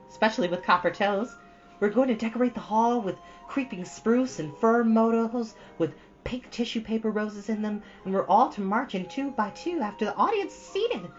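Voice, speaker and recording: A woman's voice: mid-range voice, lively intonation, a little fast, lo-fi sound, soft background music, voice pushed up, close to an everyday voice. A woman voicing an eager, dramatic young girl from a storybook, gushing breathlessly and theatrically. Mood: chattering, excited. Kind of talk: storybook character voice.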